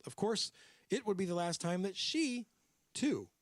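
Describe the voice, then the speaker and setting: Podcast guy telling a crime story, really animated, bouncy voice, dry mic. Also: high-pitched, a little slow, dry recording. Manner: animated, drops into character voices. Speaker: podcast host.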